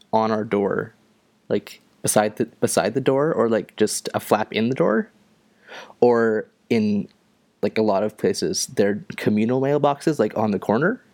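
A young man from Ontario co-hosting a podcast, chatting casually in a halting way with many fillers. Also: fairly low pitch, darkish tone, no echo. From Ontario, Canada. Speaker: podcast co-host. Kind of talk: casual chat.

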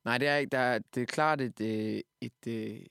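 A man's voice: mid-range voice, fairly even intonation, gravelly, fairly bright tone, smooth, dry recording, clean studio sound. A man discussing a book on a podcast, thoughtful and hesitant with many fillers.

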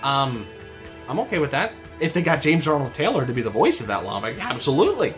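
Rambling, animated podcast man. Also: fairly high pitch, fast, faint music behind. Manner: rambling, hesitant, laughs often. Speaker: podcast co-host. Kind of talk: casual chat.

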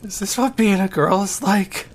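A woman's voice: mid-range voice, moderate pace, natural voice. An actress playing a self-loathing, tipsy, foul-mouthed young trans woman who rambles bitterly in an audio drama, with music behind her. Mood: distraught, self-reproaching. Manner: rambling, sweary, self-deprecating. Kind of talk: fandub audio drama, first-person monologue.

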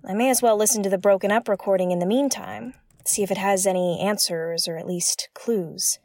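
A woman's voice: mid-range voice, a little fast, darkish tone, dry recording, close to an everyday voice. A woman playing a wary, wry investigator aboard a derelict spaceship in an audio drama, speaking hesitantly. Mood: musing. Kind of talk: naturalistic audio drama acting.

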